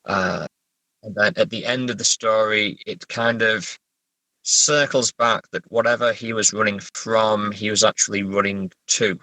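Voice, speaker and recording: A man's voice: lowish voice, fairly even intonation, measured pace, bright, forceful tone, no echo, poor audio. A middle-aged man with an English accent, an author being interviewed, talking casually in a hesitant, thoughtful, understated way. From England.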